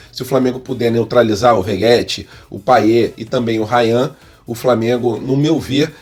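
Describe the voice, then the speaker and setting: Husky Brazilian man presenting football news. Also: medium pitch. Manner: partisan fan addressing viewers directly. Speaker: host of football fan news channel. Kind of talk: informal sports news commentary.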